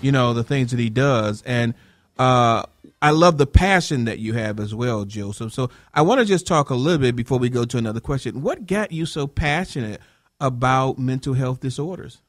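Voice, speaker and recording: A man's voice: medium pitch, lively intonation, no echo, clean studio sound. A man from Chicago hosting a radio talk show, speaking with enthusiastic, rambling energy. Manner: enthusiastic, repetitive, fast bursts.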